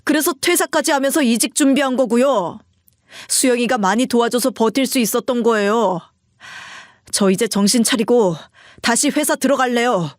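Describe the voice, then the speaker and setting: A woman's voice: on the high side, normal speed, no room sound, studio quality, natural voice. A woman voicing a weary, strained grown man who pleads with his mother in a subdued way.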